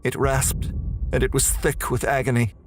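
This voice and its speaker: A man playing a frightened prison inmate, giving a grim, deliberate first-person horror narration. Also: medium pitch, level tone, close to an everyday voice. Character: terrified, bewildered male prison inmate recounting horror. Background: music.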